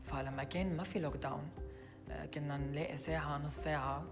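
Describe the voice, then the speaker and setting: A woman's voice: sits low, steady tone, quick pace, over music. A woman in her twenties with a Lebanese Arabic accent, speaking earnestly in a recorded interview. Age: 20s. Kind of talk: video interview testimony.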